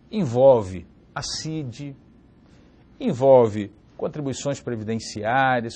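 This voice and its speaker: At a very slow pace, a man talks in a dark, mellow tone at medium pitch. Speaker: law professor. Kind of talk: lecture.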